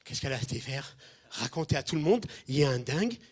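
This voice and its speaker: At medium pitch and a quick pace, a male preacher tells his congregation funny stories. Animated and prone to jumps in loudness, he imitates the voices of the people he quotes in this comic sermon.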